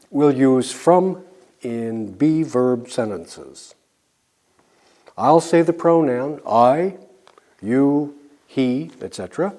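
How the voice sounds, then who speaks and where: A man teaching an English lesson, drilling example sentences slowly and clearly with pauses for learners to answer. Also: medium pitch, dark tone. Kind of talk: slow scripted language lesson.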